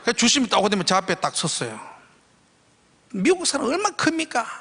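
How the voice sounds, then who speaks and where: A middle-aged man telling a church testimony, animated and bursting into shouted quotes. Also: very high voice, fairly quick, gravelly, breathy edge, big-room sound. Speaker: guest speaker giving a testimony.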